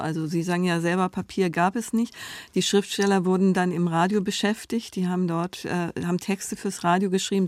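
A woman's voice: lowish voice, a little mellow, no room sound, clean studio sound. A woman speaking as an expert guest in a conversational interview, feeling for her words with repetitions.

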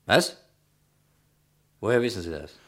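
A man's voice: on the low side, animated, unhurried, a bit bright. An actor playing a persistent police detective in a German radio crime play, formal and methodical in his questioning. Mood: probing.

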